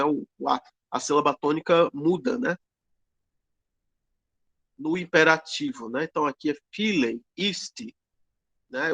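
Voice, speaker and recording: A man teaching an online grammar lesson, explaining slowly with many fillers and tag questions. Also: on the high side, a bit bright, no room sound. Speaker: Greek teacher.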